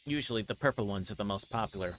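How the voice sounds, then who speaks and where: Game music plays behind a man whose fairly low voice comes out rapid-fire against a noisy background. He is streaming a visual novel live and reading the narration aloud, now and then tripping over a word.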